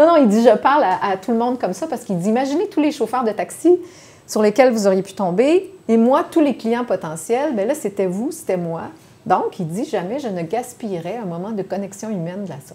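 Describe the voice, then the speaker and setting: In a Quebec accent, a woman speaks at a fairly quick pace with a fairly high, somewhat breathy voice, a dark, mellow tone, very wide pitch swings and big swings in loudness. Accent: Québécois French. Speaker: positive psychology author and speaker. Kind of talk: live interview. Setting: live studio broadcast.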